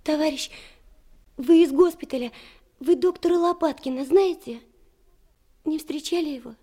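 Little girl played by a woman, high and soft-toned, plaintive, tender, anxious, wartime radio play. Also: moderate pace, close to an everyday voice. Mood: subdued, anxious. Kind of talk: radio drama acting.

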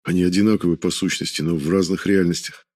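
A man voicing a guarded soldier from a parallel world who answers in a measured way. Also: low-pitched, fairly even intonation, darkish tone, natural voice. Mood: explaining. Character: guarded Russian soldier from another world, male.

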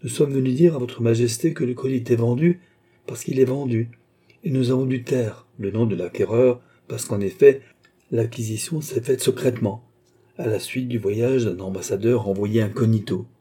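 A man with a husky, dark voice reading a grave, deferential male jeweller at court in an audiobook. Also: mid-range voice, moderate pace, lightly acted. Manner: formal, solemn.

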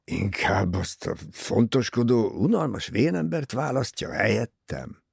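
A man's voice: medium pitch, sing-song, creaky, husky, no room sound, clean studio sound, heavily acted. A male reader voicing a hot-headed young man in an audiobook, speaking in indignant outbursts.

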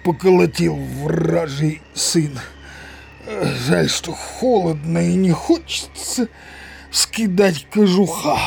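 Older male villager, slow, gravelly, muddled, cowardly bluster, hesitant muttering, theatrical audio drama. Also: on the high side, slight background noise. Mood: sore grumbling. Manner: hesitant muttering to himself, full of interjections.

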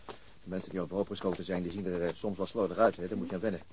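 An actor in a radio drama playing a weary, middle-aged veteran police detective, gruff but fatherly, in a naturalistic style. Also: low voice, level tone, rapid-fire, darkish tone, close to an everyday voice. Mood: resigned. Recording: noisy radio drama recording.

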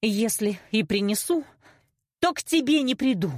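A woman's voice: medium pitch, big pitch swings, normal speed, no echo, clean studio sound, voice pushed up. A woman voicing a hurt, defiant twenty-year-old daughter in an audiobook, indignant and emotional. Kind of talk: audiobook character acting.

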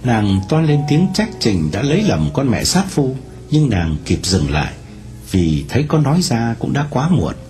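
A man narrating a novel aloud in an expressive storytelling manner. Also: normal speed, soft background music. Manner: expressive storytelling with wide swings in pitch.

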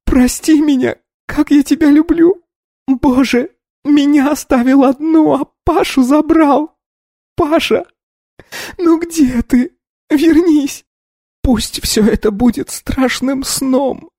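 A man's voice: very high voice, takes it slowly, no echo, studio quality, voice pushed up, full character voice. A man doing a hysterical sobbing young woman. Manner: wailing, sobbing, shouting.

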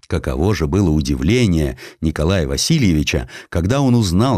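Deep-voiced man narrating with expressive swings. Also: dry recording, clean studio sound. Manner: expressive, acting out quoted dialogue. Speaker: audiobook narrator. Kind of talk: dramatic literary narration of a historical sketch.

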